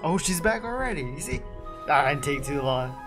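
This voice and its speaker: A woman's voice: low-pitched, very animated, moderate pace. A woman giving casual, slangy, exclamatory reaction commentary on a video game. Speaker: reaction streamer. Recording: game music behind the voice.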